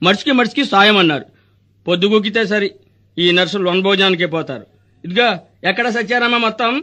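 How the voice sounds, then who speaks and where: A man performing a comic hospital sketch, bossy and mocking in rapid back-and-forth banter. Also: sits high, sharp tone. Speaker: comic actor playing a corrupt hospital doctor.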